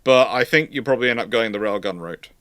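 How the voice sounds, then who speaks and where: A man's voice: medium pitch, fast, fairly bright tone, no room sound, studio quality. A man hosting a casual live history question-and-answer talk, thinking aloud in a conversational way and posing questions to himself. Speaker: host, naval historian.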